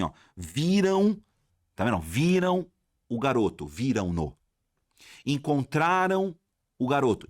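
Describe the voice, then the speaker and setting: Animated Brazilian grammar teacher, lively pitch. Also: male voice, dry recording, studio quality. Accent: Brazilian Portuguese. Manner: animated, addresses viewers as "galera", asks himself questions. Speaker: Portuguese teacher. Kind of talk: exam-prep grammar lesson.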